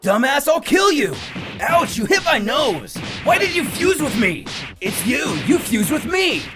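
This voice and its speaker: A man voicing a hot-headed, squabbling boy fighter, shouting indignantly in an action comic story. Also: extremely high pitch, sing-song, measured pace, music in the background, voice pushed up, heavily acted. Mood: furious. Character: squabbling hot-headed young boys fused into one fighter.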